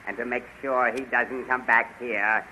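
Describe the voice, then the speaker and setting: A slow-talking ruthless general. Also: male voice, medium pitch, level tone, pushed and bright. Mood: commanding. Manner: barking orders, hesitant fillers. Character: ruthless male alien general, gruff. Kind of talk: 1930s radio drama acting. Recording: noisy 1930s radio recording.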